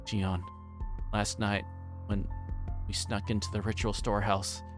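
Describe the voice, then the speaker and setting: A man livestreaming a game, reading aloud and chatting in a halting way, stumbling over words. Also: fairly low pitch, level tone, music in the background. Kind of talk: reading a visual novel aloud and chatting with stream viewers. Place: livestream with music playing behind.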